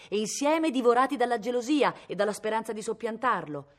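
A woman from Italy reading a novel aloud expressively, her voice rising with the drama. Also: medium pitch. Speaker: reader.

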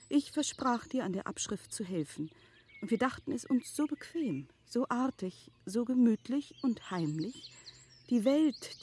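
An actress in a classic German radio play playing a prudent, gently firm middle-aged wife who speaks in measured, eloquent, formal phrases. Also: female voice, medium pitch, slight background noise, natural voice.

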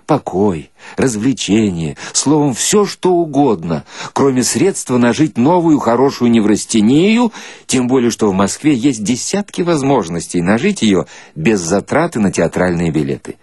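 A man narrates literary satire with theatrical irony. His pitch moves widely and his voice has a husky grain, captured on an old radio recording. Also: darkish tone, dry recording, studio quality. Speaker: actor reading satirical stories. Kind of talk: expressive dramatic literary narration.

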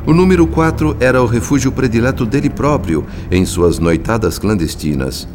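A man's voice: mid-range voice, expressive, normal speed, music in the background, lightly acted. A man with a Brazilian accent playing a grave, watchful spirit who narrates a radio drama in literary, solemn style. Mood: grave, dramatic.

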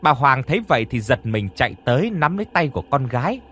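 A man narrating a ghost story for an audiobook with expressive storytelling. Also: mid-range voice, fast talker.

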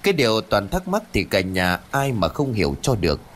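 A man narrating a ghost story in an animated, dramatic storytelling manner. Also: fairly low pitch, brisk, a little hiss or hum.

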